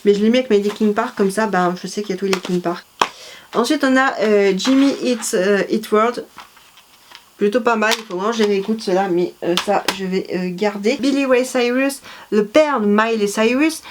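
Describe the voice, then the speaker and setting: A woman's voice: mid-range voice, moderate pace, noisy background. Chatty rambling woman vlogger. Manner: chatty, rambling, many fillers and self-corrections. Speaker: vlogger presenting her CD collection. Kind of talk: casual chat.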